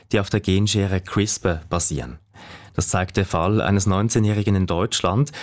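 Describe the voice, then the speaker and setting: A man's voice: lowish voice, a little mellow. Swiss man reading radio news. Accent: Swiss German. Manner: measured, formal delivery. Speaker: news presenter.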